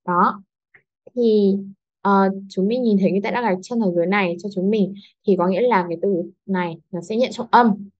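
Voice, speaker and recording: A woman's voice: mid-range voice, a little fast, a little mellow. Patient woman teacher, dull lo-fi sound. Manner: patient, explains step by step, asks "đúng không". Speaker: English teacher. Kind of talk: online lesson for schoolchildren.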